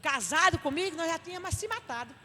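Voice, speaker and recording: A high-pitched, middle-aged woman pastor with a Northeastern Brazilian accent teaches with animated emphasis. Her voice rings with long reverb through a church hall. A faint hiss sits underneath. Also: fast talker. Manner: animated and emphatic, acting out little dialogues. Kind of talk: church Bible study talk.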